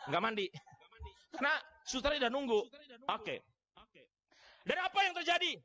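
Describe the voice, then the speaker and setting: An animated Indonesian priest preaching to his congregation, his voice high and bright. He tells his story with big swings in pitch, often cries out, and keeps turning back to his listeners. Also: normal speed. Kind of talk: storytelling sermon.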